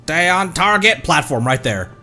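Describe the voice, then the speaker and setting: A man hosting a live game stream with casual, expressive, self-teasing commentary. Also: fairly high pitch, normal speed, soft background music.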